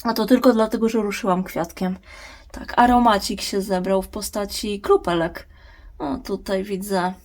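A woman's voice: mid-range voice, normal speed, darkish tone. A woman hosting a plant-care vlog, chatting casually at her indoor grow box and talking tenderly to her plants. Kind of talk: casual talk while tending plants.

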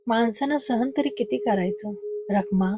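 A female storyteller reading a horror story with slow, suspenseful narration. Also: fairly high pitch, dark tone, slight background noise.

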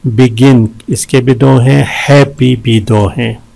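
Slow gravelly man teaching vocabulary. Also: mid-range voice, steady tone, a little mellow, rough recording. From Pakistan. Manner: slow, repeats each word, then gives its syllable count. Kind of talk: test-prep vocabulary lesson.

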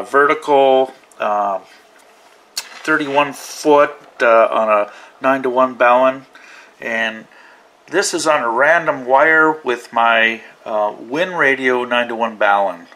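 A man's voice: mid-range voice, a bit bright, slight background noise. A man casually demonstrating gear in a hobby vlog, rambling and thinking aloud as he goes. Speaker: radio hobbyist demonstrating receivers. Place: small indoor radio desk.

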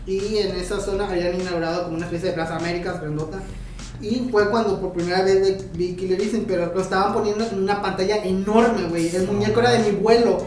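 A man's voice: high-pitched, fast. Mexican man reminiscing in a very echoey room. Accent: Mexican Spanish. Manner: relaxed reminiscing, slangy. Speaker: podcast co-host. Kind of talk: casual chat. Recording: very echoey room, far from mic, faint music.

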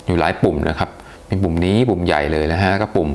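A man's voice: low voice, fairly even intonation, fast talker, a little mellow. A man giving a casual, chatty unboxing review, talking with hesitations and many polite particles. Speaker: tech reviewer.

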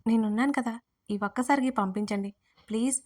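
A man's voice: very high-pitched, brisk. A woman voicing a caring, teasing young man who coaxes and soothes in an audio story. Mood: coaxing. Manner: coaxing, soothing.

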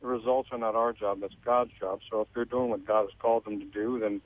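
A man's voice: on the low side, fairly even intonation, fast, no room sound. Man calling in over a phone line. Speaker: caller. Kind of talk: phone-in call.

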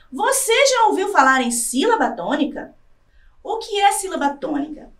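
A Brazilian woman teacher gives a scripted televised lesson, dragging out example words to stress their syllables. Her voice sits high and swoops widely. She sounds a bit off-mic in an echoey room. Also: a bit bright, far from the mic. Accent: Brazilian Portuguese. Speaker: Portuguese language teacher.

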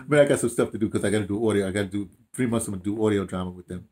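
An older man with an American accent chats casually, telling stories in an animated, rambling way with repeated phrases and slangy asides. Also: lowish voice, very fast. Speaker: interviewee, audio dramatist. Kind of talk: casual chat, storytelling. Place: small room indoors, seated.

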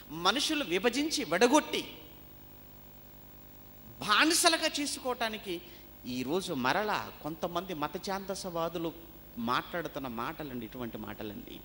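A man's voice: high-pitched, big pitch swings, moderate pace, fairly bright tone, long reverb tail, a little hiss or hum. A man preaching a sermon, driving points home by repeating phrases. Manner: emphatic, repeats phrases for force.

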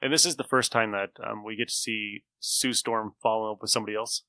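A man's voice: lowish voice, steady tone, fast talker, sharp tone, dry recording. A man co-hosting a podcast in a playful, enthusiastic, casual chat. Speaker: podcast co-host. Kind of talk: casual chat about comic books.

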